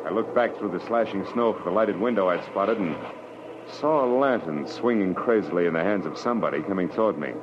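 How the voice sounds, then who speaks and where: 1940s radio gumshoe: American, low-pitched, terse, world-weary; dull, heavily noisy vintage recording. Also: male voice, expressive, fairly quick. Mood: tense narrating. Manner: terse, dramatic storytelling. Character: hard-boiled male private detective, wry and world-weary. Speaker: actor narrating as lead character. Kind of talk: 1940s radio detective drama acting and first-person narration. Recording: noisy, muffled old-time radio recording.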